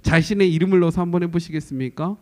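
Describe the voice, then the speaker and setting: A man in his thirties, a pastor, preaching an emphatic sermon to church teachers and dropping to a hushed whisper to stress his points. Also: on the high side, rapid-fire.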